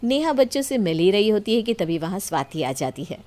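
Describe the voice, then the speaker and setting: A woman's voice: medium pitch, sing-song, brisk, a little mellow. A woman reading a scripted story as the storyteller.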